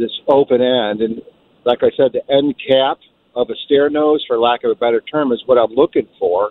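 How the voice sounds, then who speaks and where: This man has a plain, everyday voice, medium in pitch, with fairly even intonation and a moderate pace. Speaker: caller. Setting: phone call.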